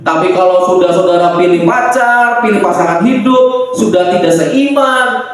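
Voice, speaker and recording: A man from Indonesia, a pastor preaching a sermon in a church, lively and acting out the voices of the people he quotes. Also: high-pitched, moderate pace. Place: church hall. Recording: echoey church from far off.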